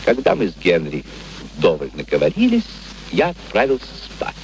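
An actor playing a genteel gentleman who narrates a radio play in measured, literary, expressive storytelling. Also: low voice, slight background noise, poor audio. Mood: reflective. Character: genteel gentleman narrator recounting events reflectively.

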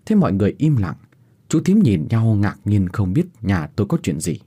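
Husky-voiced man narrating a horror story. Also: lowish voice, normal speed. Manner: dramatic, expressive storytelling.

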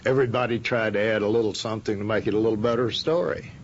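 A man's voice: fairly low pitch, steady tone, fast talker. An American man recollecting informally in an interview, blunt and emphatic. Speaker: interviewed author. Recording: dull interview tape with faint noise.

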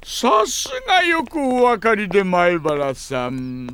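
A wily middle-aged police detective for an audio drama. His voice sits slightly high and swoops around with oily, formal politeness, over background music. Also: wildly swooping pitch, slow pace, a bit bright, a little hiss or hum, exaggerated voice. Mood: jovial chatter. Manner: unctuously polite, insinuating, chuckling formality. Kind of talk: Japanese audio drama acting.

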